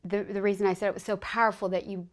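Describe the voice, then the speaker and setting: A woman's voice: medium pitch, flat delivery, quick pace. Earnest woman interview host. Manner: earnest, emphatic agreement. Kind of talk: conversational interview.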